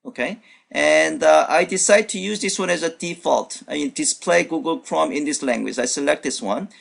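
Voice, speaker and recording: A man's voice: on the high side, moderate pace, vocal fry. A male programming instructor whose first language is Korean, narrating a screen-recorded demo unscripted, thinking aloud with many fillers and restarts. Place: at his computer, voice-over on screen recording.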